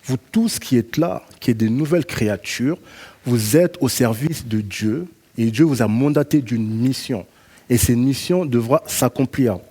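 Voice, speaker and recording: A man's voice: medium pitch, a little slow. A man preaching a church sermon and telling a personal testimony, acting out the people he quotes. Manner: animated storytelling, acts out quoted dialogue.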